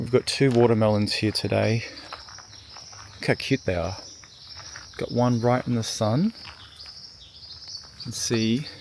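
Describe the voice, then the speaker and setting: Someone with an Australian accent speaks at a fairly slow pace with long, frequent pauses over noticeable background noise. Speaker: field recordist, YouTuber. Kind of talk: casual vlog narration. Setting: outdoors in a rainforest.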